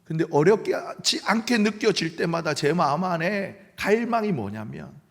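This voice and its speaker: Gyeongsang-accented middle-aged pastor, slightly high voice, acts out the voices he quotes, long church echo. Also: unhurried, creaky. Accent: Gyeongsang Korean. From Gyeongsang region of Korea. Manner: animated, acts out quoted voices, drops to near-whispers. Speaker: senior pastor. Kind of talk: sermon.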